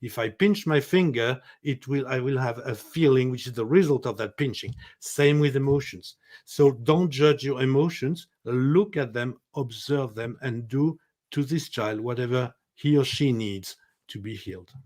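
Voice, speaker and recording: A man with a French accent speaks as a guest in a reflective interview. His delivery is gentle and earnest, built from short, plain sentences at a middling pitch. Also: normal speed.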